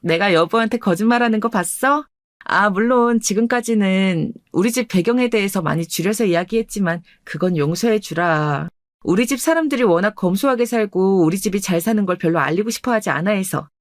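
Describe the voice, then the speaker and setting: Woman doing a self-assured wealthy wife for a radio story, calm n teasing, dry recording. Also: mid-range voice, a little fast, dry recording, lightly acted. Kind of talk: dramatized radio story dialogue.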